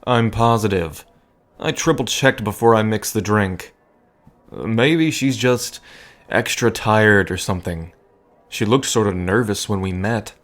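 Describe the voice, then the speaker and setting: A man's voice: fairly low pitch, measured pace, lightly acted. A man playing an awkward, wry bartender and reluctant sidekick in an audio drama, hesitant and given to muttered asides. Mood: defensive. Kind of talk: dramatic audio roleplay acting.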